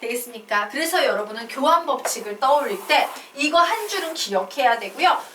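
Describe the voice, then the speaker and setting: A woman teaching a math lesson, who keeps asking questions and answering them herself in a lively way. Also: high-pitched, fairly quick. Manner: animated, asks and answers her own questions. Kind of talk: classroom lecture. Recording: echoey room from far off with noise.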